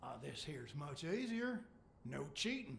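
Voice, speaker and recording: A man puts on a drawling Texan character voice at a fairly high pitch, with very wide pitch swings. His pace is moderate, and there is clear background noise. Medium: video game. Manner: folksy, drawling.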